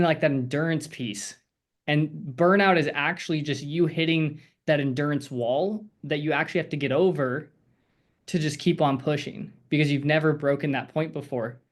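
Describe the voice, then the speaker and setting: A man coaching a group on a video call, talking casually in a rambling, encouraging way with lots of fillers. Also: a little high. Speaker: sales coach.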